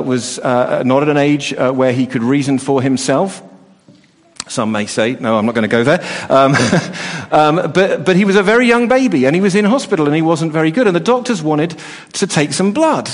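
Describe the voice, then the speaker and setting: A middle-aged man preaching a sermon, earnest, often restarting and repeating words as he talks. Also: a little high. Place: church hall. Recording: long reverb of a hall.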